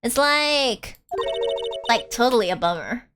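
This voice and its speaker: Woman doing a high-pitched bubbly Valley Girl sorority type. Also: animated, takes it slowly, music in the background. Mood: ditzy, casual. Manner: bubbly airheaded sorority-girl drawl full of "like". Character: bubbly, ditzy young sorority-type college woman, occult student.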